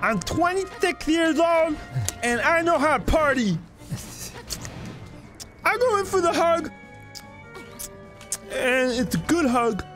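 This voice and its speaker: A man's voice: very high-pitched, very animated, slow, pauses often, fairly bright tone, faint music behind, exaggerated voice. A man voicing a goofy male nightmare monster from a video game, drawling in a silly, mock-friendly way.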